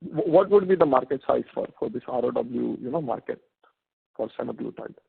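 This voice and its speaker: A man asking questions as an analyst on a conference call, polite and halting, often repeating words. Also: medium pitch, animated, creaky, slightly rough, no room sound. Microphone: phone handset. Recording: tinny narrow phone line.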